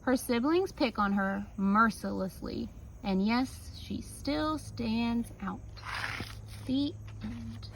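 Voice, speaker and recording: Higher-voiced woman reading a children's story. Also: takes it slowly, slight background noise, low-quality recording. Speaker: teacher reading a picture book aloud. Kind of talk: children's story read-aloud with casual asides.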